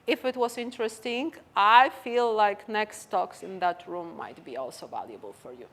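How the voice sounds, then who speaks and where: A woman with a Polish accent, a native Polish speaker, giving a conference talk and answering questions in an animated, conversational way. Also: mid-range voice, normal speed, slight background noise. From Poland. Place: conference stage.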